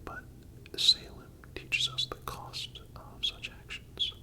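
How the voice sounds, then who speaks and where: Casting: ASMR narrator, fully whispered, breathy, calm and deliberate scripted delivery. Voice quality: breathy unvoiced whisper throughout. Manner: calm, measured, deliberate phrasing. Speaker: narrator and channel host.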